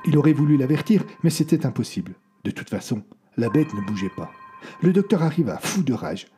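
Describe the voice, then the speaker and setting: A man reading a story aloud as narrator, expressive and shifting his voice between characters. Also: fairly quick, soft background music. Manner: expressive, varies pitch widely between characters. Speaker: audiobook narrator. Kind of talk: scripted narration.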